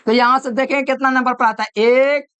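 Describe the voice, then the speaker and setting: A man's voice: very high-pitched, fairly even intonation, brisk, fairly bright tone, smooth, no echo. A man giving a chemistry video lecture, repeating each point and quizzing the listener with call-and-answer questions. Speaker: chemistry teacher. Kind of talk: classroom-style video lecture.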